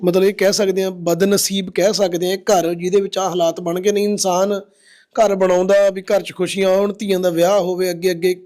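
Host: Punjabi man, high voice, gently consoling, urges viewers to help. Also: flat delivery, a little fast. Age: adult. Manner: consoling, appealing to viewers as brothers and sisters. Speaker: social-service video host. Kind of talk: on-location charity appeal. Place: outdoors at a village home.

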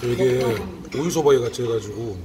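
A man's voice: medium pitch, moderate pace. Man doing mukbang eating commentary, noisy room. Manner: talking while eating, with savoring interjections. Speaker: mukbang vlogger. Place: indoors in a restaurant by open windows. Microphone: camera at arm's length on the table. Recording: noisy restaurant with clattering dishes.

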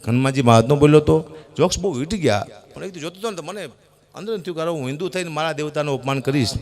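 A middle-aged man, an animated folk comedian telling stand-up jokes at a gathering and shouting his punchlines. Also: a little high, fast talker.

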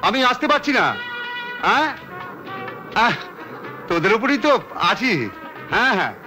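An actor playing a polite, chatty middle-aged gentleman in film drama dialogue. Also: sits high, sing-song, measured pace, music in the background. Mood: loud, hurried.

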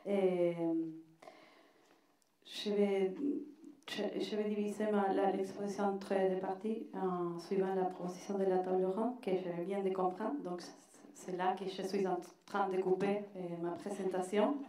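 A woman from Argentina, speaking French with a strong Argentine Spanish accent. She talks haltingly, with many restarts, in a mellow voice. The sound is echoey, taken from far off in a large hall. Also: medium pitch, level tone. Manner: hesitant, many restarts and fillers. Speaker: panelist, anthropology researcher. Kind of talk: academic panel talk.

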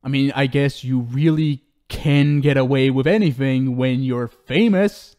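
A man's voice: medium pitch, unhurried, darkish tone, lightly acted. A man playing an obsessive, unhinged talk show host in an ASMR roleplay, cooing and theatrical, syrupy and menacing. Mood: gloating, calm. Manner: cooing, theatrical, swinging between sweet pet names and pleading. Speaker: audio roleplay performer.

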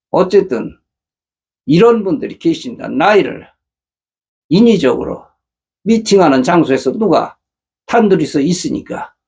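A man's voice: a little high, darkish tone, husky. A middle-aged man hosting a matchmaking channel, talking earnestly to viewers and lecturing with rhetorical questions. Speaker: matchmaking agency host. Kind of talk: casual monologue to viewers.

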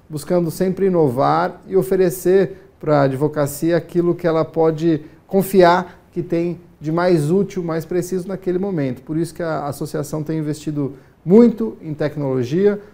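A man in his forties with a warm, gravelly voice, speaking as a studio guest on a TV morning program. He talks in a formal, measured way, stopping often on small fillers. His lapel mic picks him up clearly in the studio. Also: a little high. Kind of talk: TV interview answers. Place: TV news studio.

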